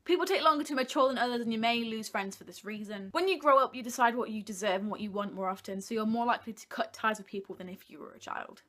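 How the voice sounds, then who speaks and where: A young woman vlogger with a fairly high, bright voice. She speaks informally and chattily, addressing her viewers directly as a host would. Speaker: video blogger, host. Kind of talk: casual talk to viewers, list format.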